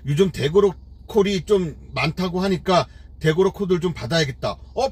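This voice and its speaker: A man's voice: sits high, breathy edge, dry recording. A middle-aged man, a taxi driver hosting his own channel, delivers an opinionated commentary full of scolding rhetorical questions and fillers.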